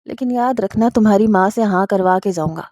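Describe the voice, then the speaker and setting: A woman's voice: medium pitch, dark tone, no room sound, muffled recording, close to an everyday voice. A woman reading the lines of a persistent young man in love, with a playful, coaxing manner. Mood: teasing.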